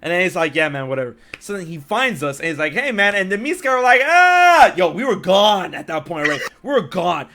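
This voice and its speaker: A young American man hosting a podcast, telling a story in casual chat and acting out quotes with sudden loud jumps. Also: high-pitched, big pitch swings, fairly quick, hardly any pauses. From United States. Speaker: podcast host.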